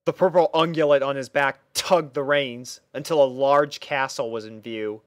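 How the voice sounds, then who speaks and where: A man narrating a scripted story in a measured, mock-serious storytelling manner. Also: medium pitch, steady tone, no room sound, clean studio sound. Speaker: fan fiction narrator.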